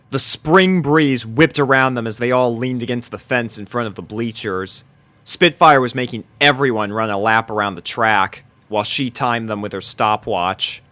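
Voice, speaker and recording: A man's voice: medium pitch, sharp tone. A man reading a scripted fan-fiction story aloud as narrator.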